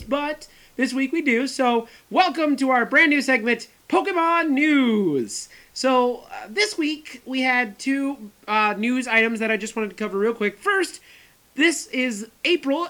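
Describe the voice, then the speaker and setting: A woman's voice: fairly high pitch, fairly bright tone. A woman co-hosting a casual podcast in a playful, upbeat way with plenty of fillers. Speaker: podcast co-host.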